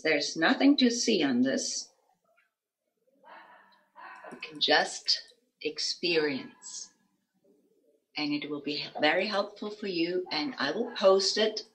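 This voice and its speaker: Casual one: german-accented lady teaching on a video call, deep voice, spells stuff out slow. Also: fairly bright tone, poor audio. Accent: German with some American. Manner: slow, careful, spells things out. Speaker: energy-work teacher. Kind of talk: guiding an online session.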